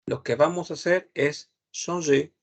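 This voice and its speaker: Here the French teacher speaks with a fairly high pitch and measured pace during a patient online grammar lesson. Each word gets repeated several times, and he hums while he thinks.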